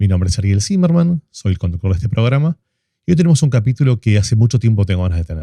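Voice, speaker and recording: A man with a Rioplatense accent, medium pitch and a dark, mellow, somewhat breathy tone, very wide pitch swings and a very fast pace in a dry, close sound with no echo. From Argentina. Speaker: podcast host. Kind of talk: podcast interview.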